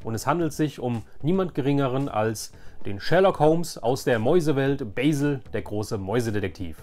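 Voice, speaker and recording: A man's voice: mid-range voice, animated, normal speed, darkish tone. A man in his forties talks casually, like a nostalgic vlogger. He is enthusiastic and rambles, repeating words for emphasis, with faint music underneath. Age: 40s. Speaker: YouTube host. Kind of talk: casual nostalgic vlog chat about collecting.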